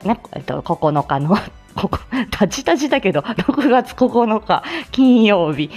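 A woman who works as a speech-language therapist, chatting casually on her own live stream, full of fillers and little laughs. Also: mid-range voice.

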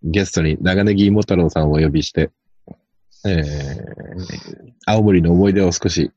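A podcast host with a low, mellow, husky voice chats casually with a guest on a farming show at a moderate pace. He rambles hesitantly with lots of fillers. The recording is dry and sounds dull and lo-fi.

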